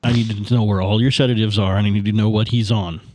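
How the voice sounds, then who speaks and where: A man's voice: lowish voice, fairly even intonation, fast talker, darkish tone, no room sound. A man chatting casually as a player in a tabletop roleplaying game, thinking aloud and repeating himself.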